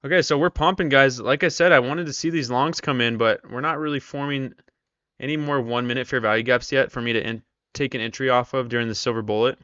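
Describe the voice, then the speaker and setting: A man's voice: medium pitch, fairly even intonation, fast, pushed and bright, dry recording, highs cut off. A man hosting a casual live stream, chatting with viewers while losing his voice. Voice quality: strained, tired voice. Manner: chatty, reads viewer comments aloud. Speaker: live-stream trader host.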